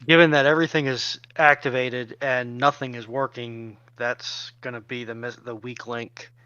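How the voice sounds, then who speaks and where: A man's voice: medium pitch, flat delivery, normal speed, bright, forceful tone, smooth, no echo. A man casually talking someone through technical troubleshooting over a lo-fi voice call. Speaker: stream technical helper.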